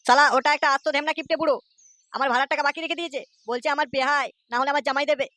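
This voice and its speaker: A woman's voice: high-pitched, fairly even intonation, racing, bright, forceful tone, no echo. A woman voicing a brash, quarrelsome young male auto-rickshaw driver in a cartoon who swears a lot. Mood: grumbling. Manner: cursing, quarrelsome. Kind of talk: cartoon voice acting.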